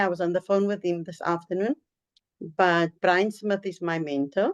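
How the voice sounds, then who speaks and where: At a moderate pace, a woman with an unremarkable speaking voice and medium pitch is heard in a dry, close sound with no echo. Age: 60s. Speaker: course participant. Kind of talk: testimony; question. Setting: video call.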